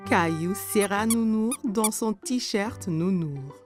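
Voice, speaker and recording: A woman's voice: mid-range voice, slow, music in the background. Woman narrating a children's cartoon. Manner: clear storytelling for young children. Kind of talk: scripted children's story narration.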